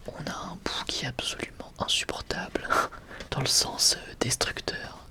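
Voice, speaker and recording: A young adult man whispers in a casual, enthusiastic ASMR style, sometimes hesitating as he presents. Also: normal speed. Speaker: ASMR video creator presenting a manga collection.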